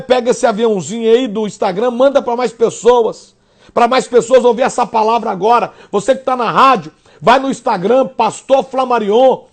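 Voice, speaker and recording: Brazilian pastor, male, high voice, rhythmic repeated phrases, loud peaks dropping to hushed lines, radio sermon. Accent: Brazilian Portuguese.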